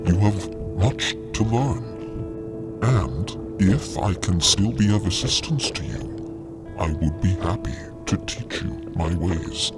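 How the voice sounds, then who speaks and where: A man's voice: low-pitched, lively intonation, slow pace, loud music behind the voice. A man playing a solemn otherworldly mentor in an audio drama, speaking formally and patiently, as if giving instruction. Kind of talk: audio fiction acting.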